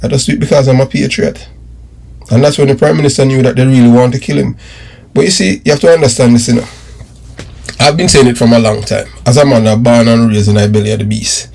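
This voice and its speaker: A man's voice: mid-range voice, steady tone, fast talker, gravelly, a little mellow. Emphatic Jamaican man giving commentary. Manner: emphatic and repetitive, addresses viewers directly. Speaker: YouTube commentator and former detective. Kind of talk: political commentary monologue.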